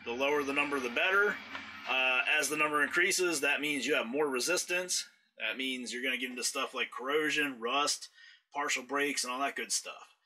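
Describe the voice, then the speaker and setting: A man with a medium-pitched voice gives a casual, hands-on mower repair tutorial indoors, relaxed and explaining each step as he works. The recording quality is low.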